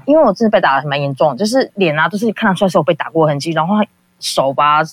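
Fast-talking caller. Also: medium pitch, animated. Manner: rambling, lots of fillers, acts out quoted people. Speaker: call-in guest. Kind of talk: casual confessional storytelling.

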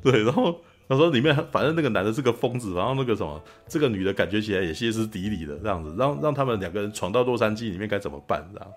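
A man's voice: fairly low pitch, very fast, few pauses, faint music behind. A man with a Taiwanese Mandarin accent hosting a podcast, animatedly retelling a film scene in casual chat and tagging his lines with "you know?". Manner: animated retelling, frequent "you know?" tag, laughs often. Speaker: podcast host.

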